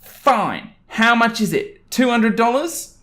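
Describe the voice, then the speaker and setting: A man voicing a haughty, indignant, demanding mother in a storytelling narration, with a shrill delivery. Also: animated, takes it slowly, fairly bright tone, full character voice. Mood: bossy. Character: pushy, indignant entitled middle-class mother, adult woman.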